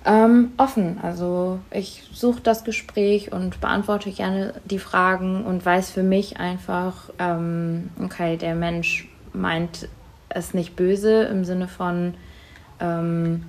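Soft-spoken woman, hesitant and thoughtful. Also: fairly low pitch, little pitch movement, slow pace, slight background noise. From Germany. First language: Tamil. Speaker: interviewee. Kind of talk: school interview.

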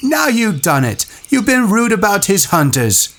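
A man's voice: sits high, big pitch swings, a little slow, fairly bright tone, a little hiss or hum, voice pushed up, exaggerated voice. A man voicing an anxious, timid schoolboy in an audiobook, pleading and worried. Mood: reproachful.

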